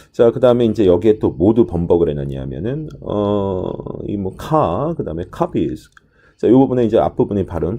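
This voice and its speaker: A man's voice: low-pitched, dark tone, breathy edge. A man teaching a test-prep listening lesson, explaining each answer choice step by step and stretching out key words for emphasis. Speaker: TOEIC listening instructor.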